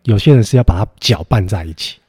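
A man co-hosts casually in Mandarin with a Taiwanese accent. His tone is dark and relaxed, yet his intonation moves in animated swings. He comes across as a reluctant, exasperated contrarian in friendly banter. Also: lowish voice, fast, breathy edge, no echo, studio quality. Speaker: podcast co-host.

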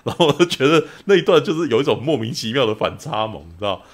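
A man's voice: medium pitch, very animated, very fast. A man, hosting a podcast in casual chat, rambling and laughing often, tagging "you know" onto his sentences. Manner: rambling, constant "you know" tag questions, frequent laughter. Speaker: podcast host reviewing a film.

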